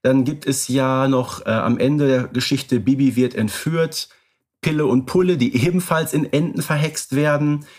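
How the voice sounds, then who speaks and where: A man co-hosting a podcast, relaxed and easygoing. He likes a pun now and then. His pitch sits in the middle. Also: normal speed. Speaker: podcast co-host. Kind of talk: casual chat about radio plays.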